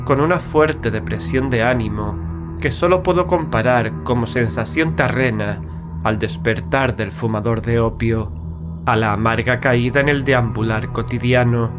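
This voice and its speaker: A man playing a melancholy gentleman who narrates a horror story in a solemn, deliberate, literary way. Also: mid-range voice, natural voice. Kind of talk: scripted dramatic horror narration. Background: music.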